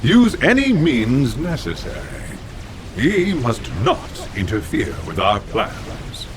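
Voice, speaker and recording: An actor playing a calm, fatherly scientist who leads a faction in a video game, speaking in a slow, measured way. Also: mid-range voice, background noise. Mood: commanding. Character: old Cybran scientist, calm fatherly leader. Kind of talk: video game cutscene acting.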